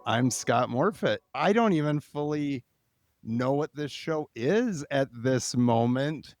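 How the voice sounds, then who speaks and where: A man's voice: mid-range voice, animated, takes it slowly, a little mellow, no echo, studio quality, faint music behind. A man hosting a podcast interview in a casual, chatty way, thinking aloud as he goes. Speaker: podcast host.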